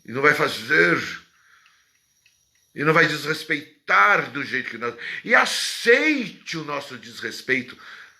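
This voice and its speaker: With audible room echo, a man with a fairly high pitch and a bright, sharp tone speaks at a very slow pace, using lively intonation, big swings in loudness, and long, frequent pauses. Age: 60s. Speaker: philosophy teacher. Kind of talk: lecture. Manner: animated.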